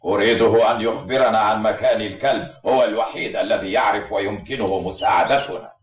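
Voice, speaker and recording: Village commissioner acted by a man, middle-aged, stern, commanding, fast, cartoon dub, distant echoey sound. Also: on the low side, highs cut off, natural voice. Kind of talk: dubbed cartoon acting.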